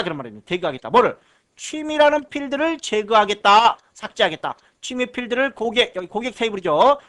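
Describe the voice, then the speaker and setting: A man's voice: high voice, fairly bright tone. A man from Korea teaching an exam-prep lecture. He asks himself rhetorical questions, answers them, and repeats key terms for emphasis. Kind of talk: recorded lecture walking through exam questions.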